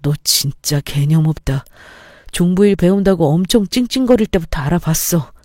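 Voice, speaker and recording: A woman's voice: lowish voice, lively intonation, moderate pace, dark tone, no echo, clean studio sound, lightly acted. A woman voicing an angry young husband who talks down to his wife in curt, accusing bursts, in a storybook reading. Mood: scolding.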